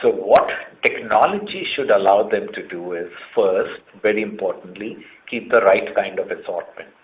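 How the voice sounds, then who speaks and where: An Indian man, serving as a company's chief executive, answers questions on an earnings conference call in a lowish, animated voice at a moderate pace. He explains emphatically, laying out his points one at a time. The call-line audio is muffled and band-limited, with a little hiss or hum.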